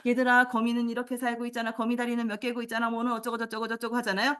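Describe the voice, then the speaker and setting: A woman training teachers in a lecture, animated, acting out classroom commands in a high sing-song voice. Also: rapid-fire, smooth.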